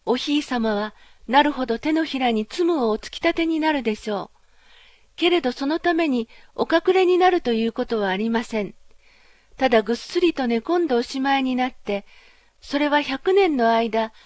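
A woman's voice: high-pitched, lively intonation, normal speed, no echo, clean studio sound. A woman doing a bold young fairy. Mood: reassuring. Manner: loud, formal, soothing speech. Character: kind young female fairy, bold and reassuring. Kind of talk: storybook reading.

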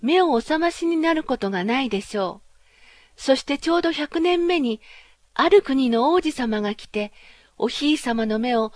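A woman voicing a kind young female fairy who speaks loudly and formally, reassuring the king and queen in a storybook reading. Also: high-pitched, animated, moderate pace, no echo, studio quality. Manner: loud, formal, soothing speech.

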